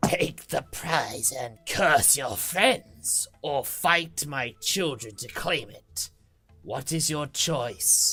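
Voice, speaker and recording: In a put-on character voice, raspy and growling at a low-to-middle pitch, someone speaks at a very slow pace while faint music plays in the background. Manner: snarling, menacing.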